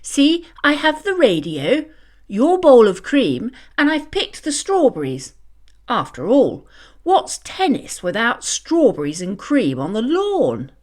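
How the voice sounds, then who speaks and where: Woman doing a breezy, high-voiced little storybook bloodhound. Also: huge pitch swings, slow, exaggerated voice. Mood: breezy, inviting. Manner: matter-of-fact. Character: sneaky little male bloodhound, breezy and friendly. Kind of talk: children's storybook character voice.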